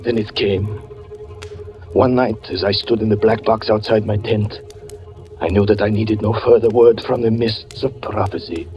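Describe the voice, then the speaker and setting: A man narrating an old radio drama as a fortune teller, in a brooding, measured way. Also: lowish voice, steady tone. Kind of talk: 1940s radio acting. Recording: dull old radio broadcast with music.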